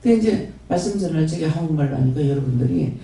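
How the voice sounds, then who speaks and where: A man with a Gyeongsang accent preaches in a loose, folksy way, circling back over his points. His voice is very dark and gravelly, and it comes from a distance and rings through a big, echoing church hall. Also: fairly high pitch, lively intonation, fast talker. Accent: Gyeongsang Korean. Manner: rambling, repetitive, folksy. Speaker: pastor. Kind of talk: sermon and closing prayer. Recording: very echoey hall, distant mic.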